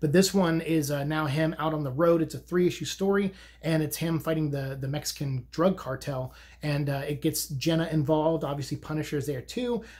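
A man speaks at a fairly quick pace with fairly even intonation. His voice is somewhat breathy. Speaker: comic vlog host. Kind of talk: casual vlog chat. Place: home room. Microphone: webcam.

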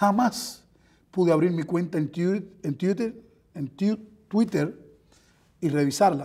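A high-pitched male voice with ordinary pitch variation against a quiet background. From Cuba. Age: 40s. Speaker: Cuban dissident activist; interviewee. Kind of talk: interview testimony. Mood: earnest, serious. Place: studio. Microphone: lapel.

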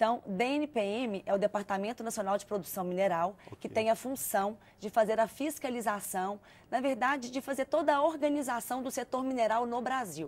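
Her loudness swings a lot as a woman talks at a moderate pace. Her voice is fairly high. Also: ordinary pitch variation. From Minas Gerais, Brazil (Patrocínio); Minas Gerais, Brazil. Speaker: federal lawmaker; politician interview guest. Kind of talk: TV interview. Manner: formal. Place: studio. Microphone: lapel.

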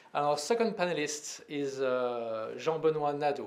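With a plain, everyday voice, a man talks at a moderate pace and fairly high pitch, with ordinary pitch variation. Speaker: panel moderator. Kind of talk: panel discussion. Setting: stage with audience. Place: home room. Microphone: podium.

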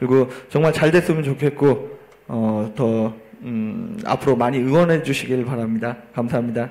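Fairly quick speech from a man, pitch shifting in an ordinary way. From South Korea. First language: Korean (speaking Vietnamese). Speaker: music producer. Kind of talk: interview answer at a music showcase event. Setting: stage at a showcase event. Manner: halting, many filler pauses. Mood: polite, earnest. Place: stage. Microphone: pa.

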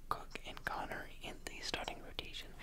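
A man is speaking. He is whispering. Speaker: fantasy football streamer. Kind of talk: commentary. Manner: soft ASMR voice close to mic. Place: home room. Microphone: studio mic.

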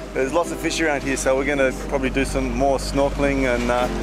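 Over loud music in the background, a man talks at a very fast pace in a dry sound with no echo. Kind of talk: casual vlog chat. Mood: cheerful. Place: boat. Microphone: phone near.

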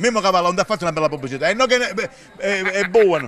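A man at a high pitch, very fast and animated, with lively intonation, light background noise and a dry sound with no echo. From Calabria, southern Italy. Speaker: local TV show host. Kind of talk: on-location street interviews at a market. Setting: outdoors at a market. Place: market. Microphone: handheld.

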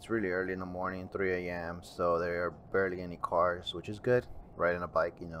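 Over light background noise, a man talks at a very deep, low pitch with fairly even intonation. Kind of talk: casual vlog chat.

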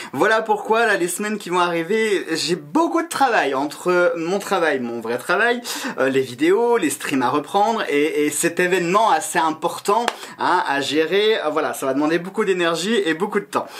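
At a fairly slow pace, a man speaks with lively intonation. His pitch is high. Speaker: youtuber. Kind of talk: casual vlog chat. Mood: cheerful, laughing often. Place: home room.

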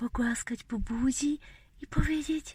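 Speaking in a gentle tone at a very slow pace, a woman uses a high pitch. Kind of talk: whispered children's bedtime story. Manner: whispered, soft, gentle.

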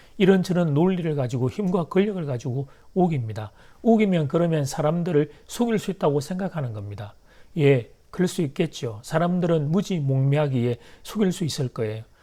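On a very clean recording with a silent background, a man speaks with lively intonation and a dark, mellow tone. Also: fairly high pitch for a man, moderate pace. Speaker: pastor. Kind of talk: sermon.

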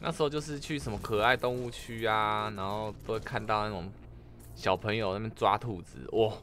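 Music plays behind a man with a fairly low pitch and an animated tone. He keeps a moderate pace with ordinary pitch variation. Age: 30s. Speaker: game streamer. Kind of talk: live gameplay commentary with chat. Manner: animated, exclamatory.

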